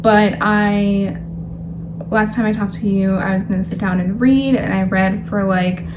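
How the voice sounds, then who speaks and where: A young woman talks to her camera in a loose, rambling way, leaning on fillers as she goes. Her voice is rough and a little stuffy from a cold. She sits at an ordinary, middle pitch. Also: fairly even intonation, a little slow, noisy background. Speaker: vlogger. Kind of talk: casual chat to camera.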